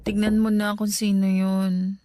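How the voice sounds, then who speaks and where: A woman's voice: mid-range voice, flat delivery, a little slow, slight background noise, close to an everyday voice. A woman playing a conflicted young woman in a Tagalog radio drama love story. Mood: hesitant. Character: conflicted young woman caught cheating on her fiancé. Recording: soft music bed underneath.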